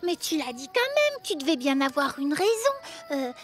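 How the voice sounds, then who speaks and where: Brief: high, bouncy little cartoon girl, teasing, music behind. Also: very animated, normal speed. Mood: playful. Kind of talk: French cartoon dub.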